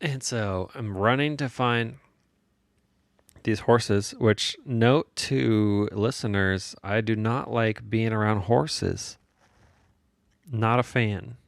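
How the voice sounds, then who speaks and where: Low-voiced American man, podcast co-host. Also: takes it slowly, vocal fry, dry recording. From United States. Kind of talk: casual comedic banter and storytelling.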